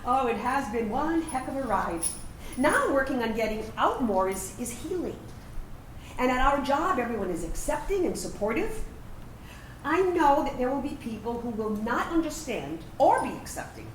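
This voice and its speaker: A woman's voice: sits high, big pitch swings, normal speed. A woman performing a staged monologue as a reflective trans veteran around fifty, recorded in a room. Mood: hopeful, reflective. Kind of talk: theatrical dramatic monologue reading. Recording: echoey, distant mic, hissy room noise.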